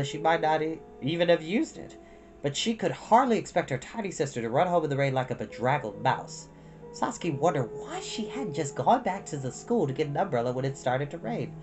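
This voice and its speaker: A woman reading a children's storybook aloud in an expressive narrating style. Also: sits low. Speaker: storytime reader.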